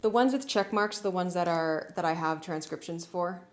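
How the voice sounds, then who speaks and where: A woman hosting a casual livestream, explaining work progress in an informal, halting way as she thinks aloud. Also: on the low side. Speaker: livestream host and music arranger. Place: warm indoor room. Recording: roomy echo, clear background noise.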